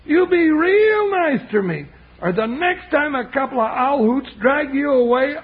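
An actor voicing a good-natured, grumbling cowboy sidekick in a western radio drama, with a raspy, wheezy voice and a folksy drawl. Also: male voice, animated, unhurried, heavily acted. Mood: playful protest. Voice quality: raspy, wheezy, cracked high voice. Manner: folksy drawling, flustered protests. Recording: dull vintage radio transcription.

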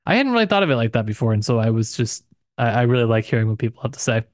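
A man's voice: medium pitch, very animated, rapid-fire, no room sound. Male co-host, medium register, informal and reflective literary chat, close dry sound. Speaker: podcast co-host. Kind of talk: casual literary discussion.

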